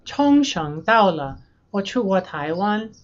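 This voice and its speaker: An American woman, a young adult whose first language is English, talks casually through a home vlog and names household words one by one in a plain, unhurried way. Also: medium pitch, very animated, highs cut off. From United States. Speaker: language learning vlogger. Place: her room and house.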